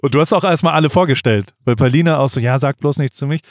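A man hosting a podcast, talking in a relaxed, colloquial way full of slang and fillers. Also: mid-range voice, fast, no echo, studio quality. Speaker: podcast host. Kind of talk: casual chat.

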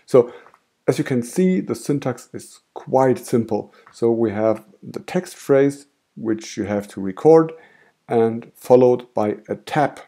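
Slow calm man with a German accent. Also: mid-range voice. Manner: calm step-by-step explaining. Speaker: tutorial host. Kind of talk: screen-recorded software tutorial.

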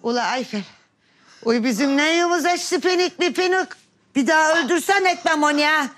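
A loud, blunt Black Sea auntie. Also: female voice, high-pitched, moderate pace. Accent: Black Sea Turkish. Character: brash middle-aged village auntie, matchmaker. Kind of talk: TV comedy drama acting.

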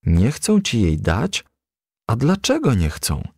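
A man voicing a kind, frank female advisor in a storybook, coaxing and gently admonishing. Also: medium pitch, huge pitch swings, slow, slightly rough, no echo, clean studio sound, pitched above the performer's own voice, exaggerated voice. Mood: consoling, admonishing.

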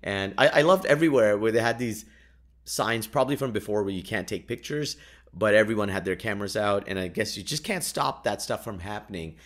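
A man's voice: lowish voice, lively intonation, brisk. A man whose first language is Urdu tells anecdotes in a casual, jokey monologue as a podcast host, with wry exaggeration.

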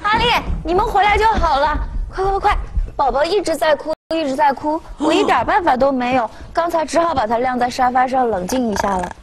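An actress playing a soft-hearted young nurse in a sitcom, talking in an anxious, pleading way. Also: female voice, high voice, brisk, a crowd in the background, noisy background, lightly acted. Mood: explaining. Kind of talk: sitcom acting.

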